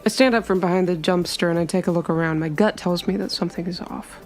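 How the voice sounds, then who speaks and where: A woman with a fairly low voice plays a tabletop roleplaying game. She narrates what her character does in the first person, with music clearly audible behind her. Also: fairly even intonation, fast.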